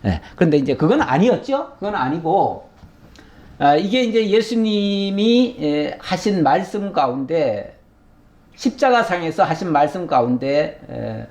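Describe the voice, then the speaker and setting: A man's voice: fairly high pitch, darkish tone. A middle-aged male pastor giving a verse-by-verse Bible lesson, briefly acting out the voices of mockers as he explains. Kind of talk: Bible teaching sermon.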